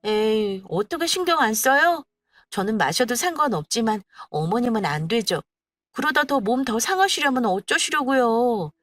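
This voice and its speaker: A woman's voice: fairly high pitch, very animated, normal speed, fairly bright tone, no echo, voice pushed up. A woman voicing a young daughter-in-law whose overly sweet, mock-polite talk carries sarcasm. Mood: teasing.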